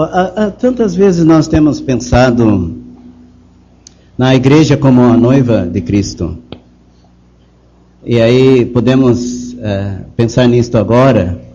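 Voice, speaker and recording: A man with a Brazilian Portuguese accent leading a group Bible study, answering questions in a slow, measured way. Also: medium pitch, mellow, highs cut off, a little hiss or hum.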